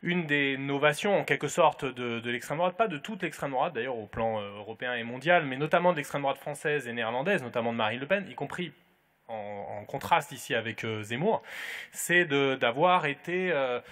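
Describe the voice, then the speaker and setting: A man's voice: mid-range voice, lively intonation, normal speed, fairly bright tone. A man speaking on a conference panel, thoughtful, with many restarts and fillers.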